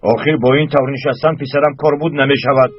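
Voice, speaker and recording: A man's voice: mid-range voice, steady tone, lightly acted. An actor dubbing a fatherly man with a Tajik accent, speaking in a coaxing, reassuring manner. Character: caring father figure offering help. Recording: dull dub track with music.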